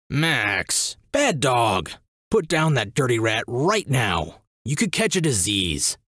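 A raspy, put-on character voice from a man at medium pitch and a fairly slow pace, on a very clean recording with a silent background. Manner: commanding, scolding.

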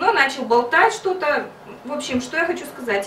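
A woman's voice with very wide pitch swings, audible room echo and light background noise. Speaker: balloon shop representative. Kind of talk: casual promotional remarks. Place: office. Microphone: camera far.

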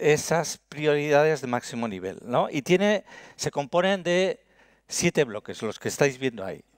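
Over a quiet background, a man talks at a fairly high pitch with lively intonation. The sound is dry, with no echo. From Basque Country, Spain (Hernani, Gipuzkoa); Basque Country, Spain. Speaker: business association president; conference speaker. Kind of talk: conference talk. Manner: halting, frequent repetitions. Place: hall. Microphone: headset.

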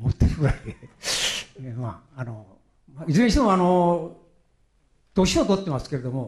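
Somewhat breathy, with a dark, mellow tone and lively intonation. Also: man. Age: 80s+. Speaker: triathlete. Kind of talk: lecture talk. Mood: warm, smiling, reflective. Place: hall.

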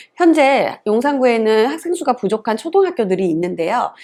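On a very clean recording with a silent background, a woman's fairly high voice swings very widely in pitch. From South Korea, Ulsan. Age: 40s. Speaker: local resident council member. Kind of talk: policy presentation. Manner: halting, many fillers.

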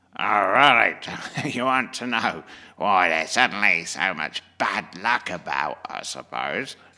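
A man performs a cartoonish character voice, fairly low in pitch and delivered at a fairly slow pace. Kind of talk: comic children's puppet acting. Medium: puppet show. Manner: chatty, cheerful, salesy.

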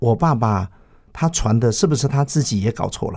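With a Taiwanese accent, a man talks at a fairly quick pace in a dark, mellow tone and very wide pitch swings. The recording is very clean, with a silent background. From Taiwan, Chiayi (southern Taiwan). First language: Taiwanese Hokkien (speaking Chinese). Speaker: pastor and TV storyteller host. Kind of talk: interview testimony.

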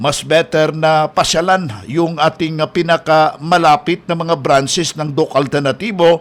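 Fairly slow speech from a man, fairly high in pitch. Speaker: radio health program host. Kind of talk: radio health program. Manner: halting with many fillers.

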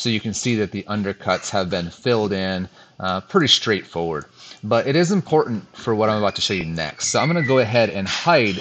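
Lively intonation from a man at a fairly low pitch, with noticeable background noise. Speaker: dentist instructor. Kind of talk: tutorial. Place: home room.

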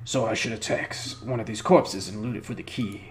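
Over clear background noise, a man puts on a gruff character voice at a medium pitch, talking at a very fast pace with big swings in loudness. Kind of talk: amateur game dialogue reading. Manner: blunt, confused.

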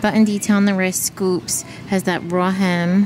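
Music plays in the background as a woman speaks at a moderate pace in a fairly low, monotone, flat voice, the sound dry with no echo. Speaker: fashion shopping vlogger. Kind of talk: product description vlog. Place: shop.

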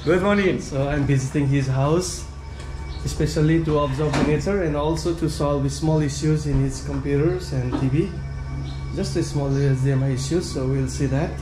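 A man's voice at very even loudness, with clear music in the background. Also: moderate pace. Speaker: vlogger touring a friend's house. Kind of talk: casual vlog chat. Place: home room. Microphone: phone near.

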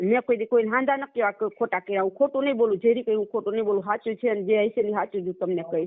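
Pitched fairly high, a woman talks in a plain, everyday voice. Her pitch variation is ordinary. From Saurashtra, Gujarat (Surendranagar district). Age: 40s. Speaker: caller. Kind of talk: phone-in complaint. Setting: phone call.

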